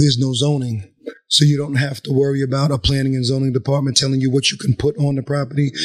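A man's somewhat breathy, fairly high-pitched voice with monotone, flat intonation. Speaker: land investor and educator. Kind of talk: podcast interview.

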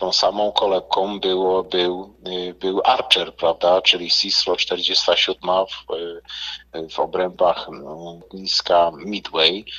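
A man speaks very slowly in a very deep, low voice with monotone, flat intonation. Noticeable background noise is present. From Poland. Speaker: credit union executive. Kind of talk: radio interview.

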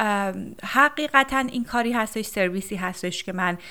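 Speaking at a moderate pace, a woman has a bright, sharp tone and ordinary pitch variation. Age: 40s. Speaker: sex therapist podcast host. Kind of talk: educational podcast monologue.

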